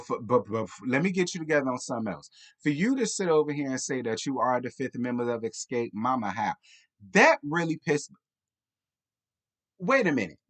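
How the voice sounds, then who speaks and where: A man's voice: mid-range voice, fairly bright tone. An American man giving a casual comedic TV recap, talking in a sassy, blunt, slangy and rambling way. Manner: tipsy, rambling. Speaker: reality TV reviewer.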